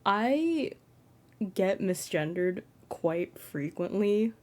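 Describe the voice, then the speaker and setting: Speaking from his bedroom late at night, a young trans content creator drifts self-consciously through a casual vlog, saying "like" constantly. His fairly flat, feminine-sounding voice sits high, and he draws out his words.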